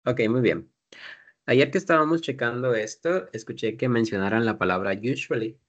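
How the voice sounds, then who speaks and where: A man's voice: medium pitch, moderate pace, dull audio. A man teaching an English class, explaining patiently step by step and drilling pronunciation.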